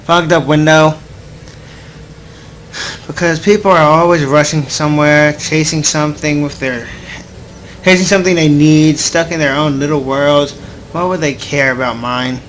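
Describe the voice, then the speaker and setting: Reading a visual novel aloud during let's play commentary, a man speaks at normal speed in a steady, slightly bright, higher voice, pausing often. He trips over words now and then and reacts playfully; the audio is poor, with a little hiss or hum.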